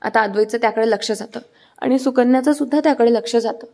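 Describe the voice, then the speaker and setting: A woman's voice: a little high, fast, creaky, mellow. A woman casually retelling a television serial episode in a chatty way, with many fillers. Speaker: serial recap narrator.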